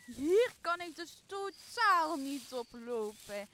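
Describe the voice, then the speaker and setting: A tipsy jester sidekick acted by a young woman in an amateur radio play. The voice is high, scornful and whiny, given to exclaiming and complaining. There is faint background noise. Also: very animated, takes it slowly, a bit bright, full character voice. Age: young adult. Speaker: student actor. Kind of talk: amateur radio drama acting.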